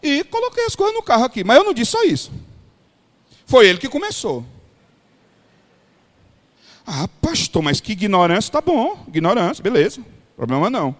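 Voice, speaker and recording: A pastor from Ceará with a Cearense Brazilian accent, preaching a blunt, folksy sermon to other pastors. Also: male voice, very high-pitched, wildly swooping pitch, a little fast. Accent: Cearense Brazilian Portuguese. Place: large hall at a pastors' retreat. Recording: long hall reverb.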